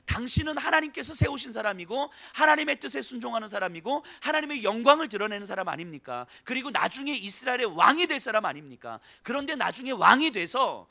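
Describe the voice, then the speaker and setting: Brief: male pastor playing a kneeling woman, urgent, pleading with a warrior, high bright voice. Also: sing-song, fairly quick, few pauses, exaggerated voice. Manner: urgent, rhetorical questioning. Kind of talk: sermon with acted biblical speech.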